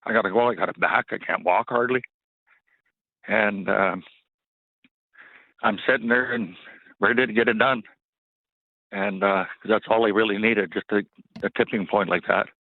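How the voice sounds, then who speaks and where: A man calling in to a radio show, telling his story in a halting, emotional way with many restarts. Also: lowish voice, fairly even intonation, dry recording. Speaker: caller. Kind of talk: call-in storytelling. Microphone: telephone. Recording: tinny phone line.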